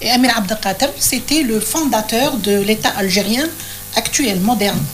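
A woman's voice: fairly high pitch, lively intonation, fairly quick, a loud crowd. A woman with an Algerian accent in a radio discussion, making points insistently and repeating them for emphasis. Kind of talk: explanatory discussion, mixing languages. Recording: clear background noise and hum.

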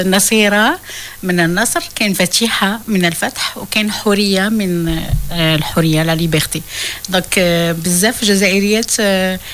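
Fast-talking Algerian woman, hesitant. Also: medium pitch, a bit bright, slight background noise. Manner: hesitant, many filler pauses, rapid bursts. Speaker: radio guest. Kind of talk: casual radio conversation.

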